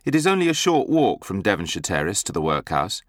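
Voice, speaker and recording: Guy reading an audiobook, measured, lowish voice that moves around a lot, very dry sound. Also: very animated, dry recording. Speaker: audiobook narrator. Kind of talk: measured scripted narration.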